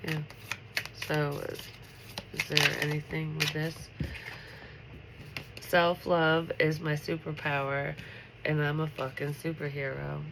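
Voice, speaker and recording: A woman's voice: deep voice, slow, gravelly, long pauses. A woman with a stuffy, congested nose gives a casual, chatty late-night tarot reading in an upbeat tone. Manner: chatty and upbeat, full of filler words. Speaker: tarot reader. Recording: steady background noise.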